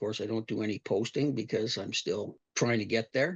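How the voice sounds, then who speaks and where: Medium-pitched male voice at a moderate pace, dry and close with no echo. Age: 60s. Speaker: recovery program client. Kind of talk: interview testimony. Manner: halting, repeats words.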